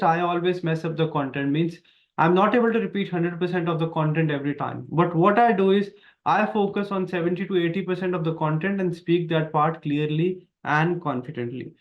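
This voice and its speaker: A man with an Indian accent teaches an online exam lesson, his voice sitting a little high for a man. He explains each step emphatically and keeps repeating the main points. The recording sounds somewhat dull and lo-fi.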